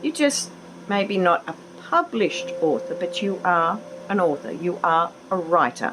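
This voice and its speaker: A woman with an Australian accent, fairly low pitch and lively intonation at a fairly slow pace, with noticeable background noise. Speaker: tarot card reader. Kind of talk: tarot reading. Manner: casual, chatty with fillers.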